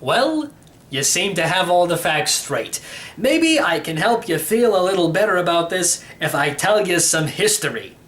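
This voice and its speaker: A man's voice: sits high, big pitch swings, moderate pace, fairly bright tone. A man voicing an eccentric, cheerful elderly uncle in a storybook, explaining things in a rambling, matter-of-fact way. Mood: cheerful, reassuring. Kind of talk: storybook character reading.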